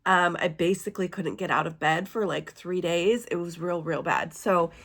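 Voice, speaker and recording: A woman in her thirties with a hoarse, raspy voice, chatting casually as a vlogger showing a thrift haul. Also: fairly low pitch, moderate pace, fairly bright tone. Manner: chatty, with fillers and small laughs. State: hoarse from illness. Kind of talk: casual chat.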